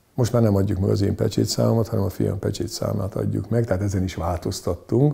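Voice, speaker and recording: A man talks at a very fast pace with hardly any pauses. His tone is dark and mellow, with vocal fry and ordinary pitch variation. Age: 60s. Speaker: veterinarian and mayor. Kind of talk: interview. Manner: halting.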